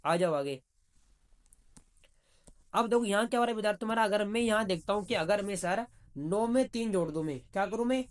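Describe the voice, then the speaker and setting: His high voice has lively intonation and moves briskly, with frequent pauses. He is teaching reasoning for an exam in a video lesson, chatting casually, calling students "bhaiya", and answering his own questions.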